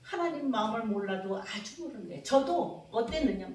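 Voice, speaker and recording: A woman's voice: a little high, expressive, normal speed, a little mellow, slight background noise. A woman pastor preaching a revival sermon, dramatically acting out her own prayers and calling for amens. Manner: calls for amens from the congregation. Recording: very echoey hall, mic from a distance.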